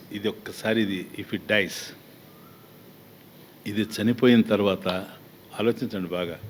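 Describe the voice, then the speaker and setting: Man, Telugu accent, swami, spiritual discourse, chatty, rhetorical questions, middle-aged. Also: medium pitch. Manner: lively, conversational, rhetorical questions, acts out quoted exchanges. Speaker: swami giving a Vedanta discourse.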